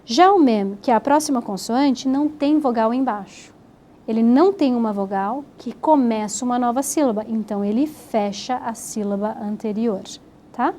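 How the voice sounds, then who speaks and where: A woman's voice: a little high, warm tone. Patient woman teaching Hebrew grammar. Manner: patient, explanatory, spells out syllables slowly. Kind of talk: recorded grammar lesson.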